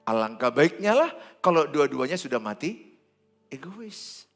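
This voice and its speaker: A man, preaching a sermon in church in an animated, joking way. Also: on the high side, unhurried, soft background music. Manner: animated, joking, acts out dialogue. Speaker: pastor.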